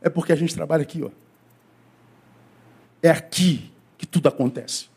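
Preaching to a church congregation, a middle-aged male pastor asks them questions while his pitch and pace vary widely. He speaks at a moderate pace, with a creaky, husky, slightly mellow voice.

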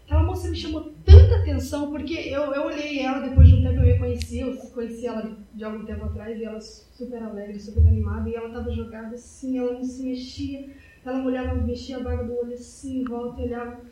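Young woman, high mellow voice, heartfelt church testimony, repetitive telling. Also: steady tone, fast talker, a little hiss or hum, poor audio. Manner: emotional, repetitive storytelling. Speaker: church member giving testimony.

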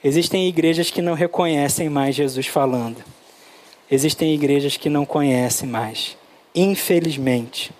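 A man, preaching a sermon and telling stories, acting out the dialogue with lively shifts. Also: on the high side, normal speed. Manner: animated, acts out dialogue with his son. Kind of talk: sermon with storytelling.

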